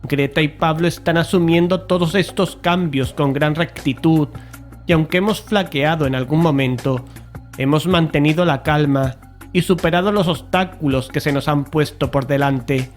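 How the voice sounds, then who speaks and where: An actor with an accent from Spain voices Mario, the conceited, self-assured investigator who leads his friends, acting and narrating in first person in a Spanish audio drama. His natural, slightly high male voice moves at normal speed with a grave, reflective mood, formal and pompous with precise wording, over faint music.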